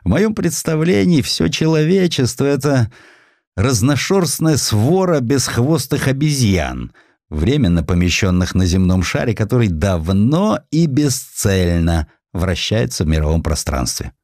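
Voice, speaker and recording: A man's voice: mid-range voice, big pitch swings, unhurried, darkish tone, dry recording, clean studio sound, voice pushed up. Man playing a bitter, declamatory inventor, swooping intonation. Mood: bitter, sardonic. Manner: emphatic, declamatory, sardonic. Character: proud, misanthropic male inventor, bitter and cynical.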